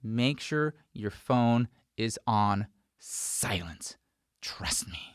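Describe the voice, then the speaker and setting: The host is an American sound mixer in his forties whose lowish, smooth voice moves extremely slowly yet with lively intonation as he emphatically drives home his advice in a conversational instructional talk. Recorded dry and at studio quality on a close-in-front desk microphone in a small indoor post-production studio.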